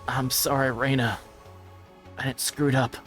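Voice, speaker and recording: A man's voice: mid-range voice, flat delivery, slow, fairly bright tone, pitched above the performer's own voice. A man voicing a wounded, feeble girl in a visual novel, apologizing as she speaks. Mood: weakly remorseful. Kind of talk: visual novel character read aloud. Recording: music behind the voice.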